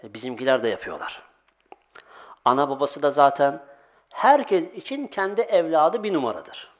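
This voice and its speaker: In his monthly informal sermon, a middle-aged religious teacher mixes straightforward teaching with storytelling, performing the characters' voices and laughing often. He speaks at a normal speed, his voice slightly high for a man.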